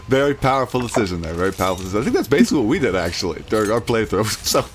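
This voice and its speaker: Male host, casual and jokey, lively pitch, talks while playing a shooter. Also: rapid-fire, a little hiss or hum. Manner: joking, distracted while playing. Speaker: host playing a video game. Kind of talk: casual gameplay chat with friends.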